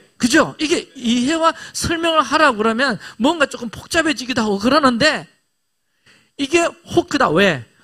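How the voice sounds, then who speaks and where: Using a raised, projected voice, a man speaks at an extremely high pitch and a moderate pace, with a bright, sharp tone and lively intonation. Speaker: pastor. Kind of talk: sermon.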